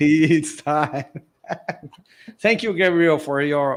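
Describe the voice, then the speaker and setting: A very slow, fairly high-pitched male voice with a Brazilian accent and ordinary pitch variation. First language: Portuguese. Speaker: management consultant and coach. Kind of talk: casual podcast chat in second language. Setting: live online stream. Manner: halting.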